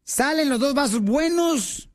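A Mexican man with a Mexican Spanish accent, hosting a comedic radio show and bantering excitably with his audience. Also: very high-pitched, measured pace. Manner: excitable, calls the audience "paisanos".

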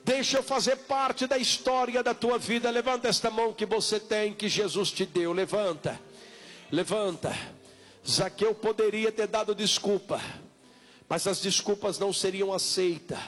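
A Brazilian man preaches in a high voice, as a pastor at an altar call. He exhorts insistently, repeating short appeals and stretching out key words in the Portuguese of Brazil. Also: steady tone, a bit bright. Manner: insistent, repetitive exhortation with drawn-out calls. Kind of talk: evangelical sermon, altar call and prayer.

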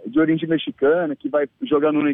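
Friendly guy calling in from his car, thin phone line, kinda high voice. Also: fairly even intonation, fast talker, creaky, no room sound. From Chile. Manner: friendly, hesitant, laughing easily. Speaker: caller, rideshare driver. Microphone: phone call. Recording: tinny dry phone line.

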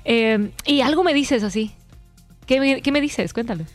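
Mexican lady radio host, high voice, yucatan accent peeking through, lots of ums, soft music behind. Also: moderate pace. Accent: Yucatecan Mexican Spanish, mostly neutral. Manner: chatty, filler-heavy, playful. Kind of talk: casual radio chat.

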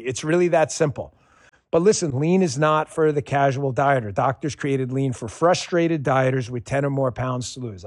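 A man's voice: fairly high pitch, no room sound, clean studio sound. A man as a radio host giving a casual, persuasive sponsor endorsement. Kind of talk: conversational sponsor read.

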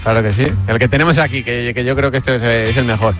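Male on-location radio reporter, Spain accent, very quick, chatty delivery that doubles back on phrases. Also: mid-range voice, steady tone, a bit bright, soft background music. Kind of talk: casual live report.

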